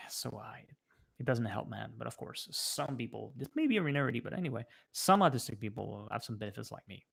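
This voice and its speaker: A man with a French accent, a native French speaker, chatting casually on a livestream and answering viewers in a halting way, often pausing mid-sentence. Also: mid-range voice, big pitch swings, gravelly, fairly bright tone, husky. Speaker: livestream host.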